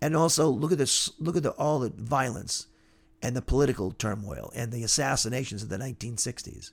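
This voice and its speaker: An unremarkable speaking voice with an American accent, ordinary pitch variation and a fairly quick pace, in a very clean recording with a silent background. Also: man, medium pitch for a man. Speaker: Bible teacher. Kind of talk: Bible lesson lecture. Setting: church class.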